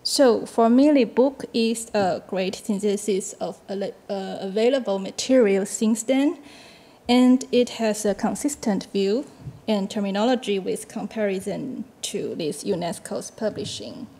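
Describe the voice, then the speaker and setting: A woman's voice: medium pitch, measured pace, warm tone. A woman whose first language is Chinese, speaking English as a discussant at an academic seminar, hesitant, with frequent fillers and short laughs.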